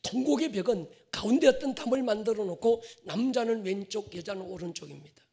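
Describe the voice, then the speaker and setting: A male pastor preaching a sermon to his congregation, swinging from loud stressed phrases to whispered endings and drawing out key words. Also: high voice, slightly rough. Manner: addresses the congregation directly, drawn-out stressed words.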